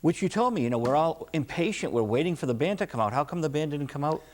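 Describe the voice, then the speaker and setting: A man's voice: a little high, animated, quick pace, darkish tone. A middle-aged or older man hosting a casual interview, chatting with his guest. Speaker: interviewer, host.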